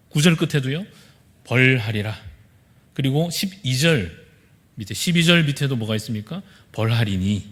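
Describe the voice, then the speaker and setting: A male pastor with a Gyeongsang accent, preaching an expository sermon in church and answering his own questions to the congregation. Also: fairly high pitch. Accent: Gyeongsang Korean. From Busan, South Korea. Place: church sanctuary.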